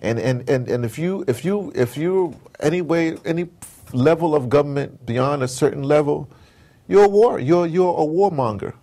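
A middle-aged man being interviewed, telling stories in a casual, animated way, repeating words and wandering off point. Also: a little high, normal speed. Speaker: interviewed audio drama producer. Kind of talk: casual, digressive interview talk. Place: at his home base in New York.

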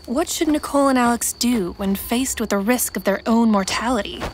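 A woman narrating a thriller audio drama in a measured, suspenseful, wry way. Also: a little high, slight background noise, natural voice. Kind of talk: scripted narration.

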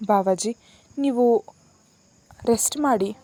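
A woman's voice: fairly high pitch, takes it slowly, mellow. A woman reading a storybook aloud and voicing an anxious young sister-in-law who begs and pleads urgently. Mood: pleading.

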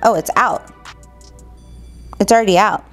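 A woman's voice: mid-range voice, unhurried, soft background music. A woman in her thirties co-hosting casual reaction commentary in a salon, chatty and giggly. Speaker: co-host. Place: salon with product shelves, indoors.

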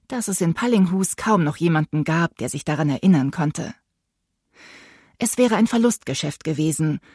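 A woman reading an audiobook in a steady, even storytelling manner. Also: fairly low pitch, slightly rough, no room sound, studio quality. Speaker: audiobook narrator. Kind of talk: scripted audiobook narration.

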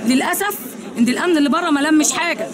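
A woman's voice: high voice, rapid-fire. An Egyptian woman in her sixties, upset and complaining in a street interview. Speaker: churchgoer interviewed at the scene. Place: outdoors by a street wall. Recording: outdoor crowd noise.

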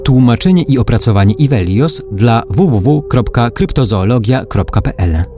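A man reading a scripted article aloud as a narrator, in a measured storytelling manner, like a documentary. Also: mid-range voice, lively intonation. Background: faint background music.

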